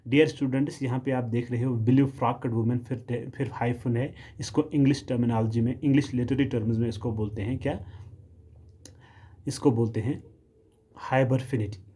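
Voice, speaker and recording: A male English lecturer giving a classroom lesson in mixed Hindi and English, explaining slowly, repeating himself and asking rhetorical questions. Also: medium pitch, steady tone, dark tone, slightly rough. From Kargil, Ladakh. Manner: reads quoted English lines slowly and with emphasis.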